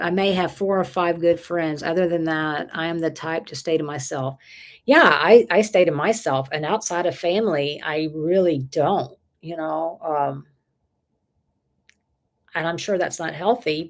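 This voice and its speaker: A woman, chatting casually on a livestream and reading viewer comments aloud, rambling and laughing often. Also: lowish voice. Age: 60s. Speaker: livestream host.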